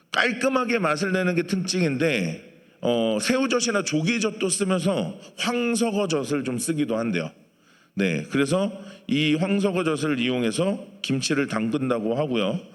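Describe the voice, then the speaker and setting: Pastor preaching with a lively pitch. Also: male voice, moderate pace. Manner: conversational, asks the congregation questions. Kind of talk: sermon. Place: church sanctuary. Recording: long church hall reverb.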